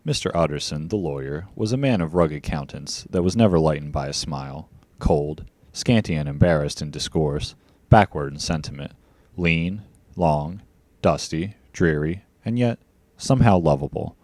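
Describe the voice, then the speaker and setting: A man's voice: very deep voice, normal speed, darkish tone, no echo. A man working as a voiceover artist, reading scripted narration and advertising copy.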